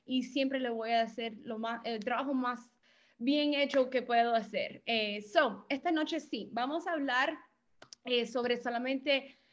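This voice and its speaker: Woman coach on a video call, bit high voice, keeps dropping english words into her spanish. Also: a little slow, highs cut off. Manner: mixes English words into Spanish, self-deprecating about her Spanish. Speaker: guest speaker and business coach. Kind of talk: motivational training call. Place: home office.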